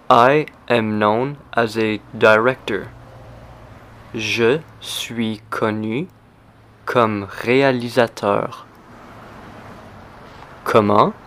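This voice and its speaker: A man hosting a language lesson, speaking slowly and deliberately and repeating simple phrases for learners. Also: fairly low pitch, fairly bright tone, slight background noise. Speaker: language teacher. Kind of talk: slow scripted language lesson.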